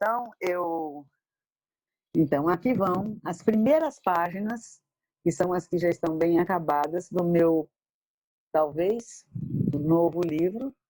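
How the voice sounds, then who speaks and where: A woman's fairly low, dark and mellow voice at a very slow pace, broken by long, frequent pauses. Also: ordinary pitch variation. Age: 70s. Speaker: novelist. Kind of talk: informal talk introducing her book. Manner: halting, with many repetitions and fillers.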